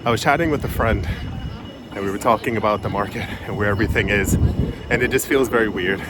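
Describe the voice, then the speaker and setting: A man filming a casual vlog outdoors, rambling with many fillers and restarts, often keeping his voice low in public. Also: brisk. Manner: drops his voice to talk quietly in public. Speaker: crypto vlogger. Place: outdoors on a city street with traffic. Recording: street traffic noise behind.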